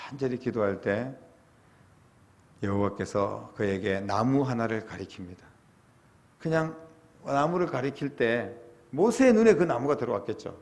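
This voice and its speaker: A man's voice: mid-range voice, moderate pace, long pauses. A middle-aged man preaching a sermon as a pastor, asking rhetorical questions and swelling to emphatic peaks. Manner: rising to animated, emphatic peaks when voicing complaint and prayer.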